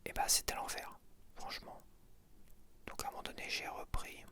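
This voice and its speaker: A man whispering softly into a close mic for ASMR, murmuring sticker numbers and rambling along. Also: normal speed. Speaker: ASMR creator.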